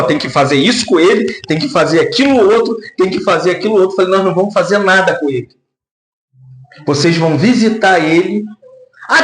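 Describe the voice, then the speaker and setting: A man preaching a lively sermon, acting out quoted voices and laughing often. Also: reverberant. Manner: says of himself he speaks in a deep, gruff way. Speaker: pastor.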